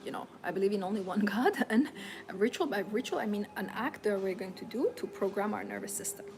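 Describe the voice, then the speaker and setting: A woman's voice: mid-range voice, fast, creaky, a little mellow, a little hiss or hum. A woman hosting a live stream as a femininity coach, chatting and encouraging her viewers with frequent fillers and restarts. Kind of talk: live-stream talk answering viewers' comments.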